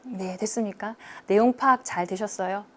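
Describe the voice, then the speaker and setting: A woman teacher giving a lecture, lively and engaging, often checking in with her students as she explains. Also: mid-range voice, moderate pace.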